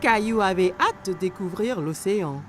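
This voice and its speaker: A woman's voice: medium pitch, expressive, moderate pace. A woman reading scripted narration for a children's cartoon story. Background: background music.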